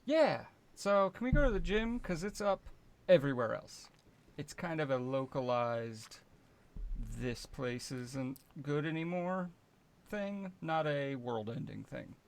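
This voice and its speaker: A gravelly, creaky investigator played by a man, skeptical and sardonic. He argues casually in halting phrases, in the style of a tabletop roleplaying game. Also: fairly high pitch, expressive. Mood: flippant. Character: flippant, skeptical male investigator, casually argumentative.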